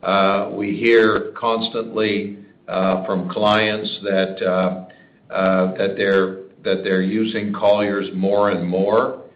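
Male senior executive, low-ish and monotone, measured answers over a muffled, echoey conference line. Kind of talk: answering analyst questions on a conference call.

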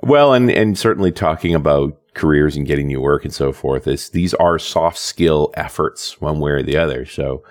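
A man's voice: extremely low pitch, normal speed, few pauses, a little mellow. A man co-hosting a podcast in a casual, thoughtful chat, reading listener comments and musing on communication. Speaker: podcast co-host.

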